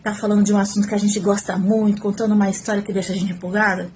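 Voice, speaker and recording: A talkative woman with a Brazilian Portuguese accent gives a relaxed on-camera lesson from her home, speaking into her phone. Her voice sits at an ordinary middle pitch, with a faint hum of noise underneath. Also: racing. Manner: talkative, animated, gestures while speaking. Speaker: former TV reporter teaching on-camera skills. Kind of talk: casual tutorial to camera. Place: at home, indoors. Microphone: phone, front camera.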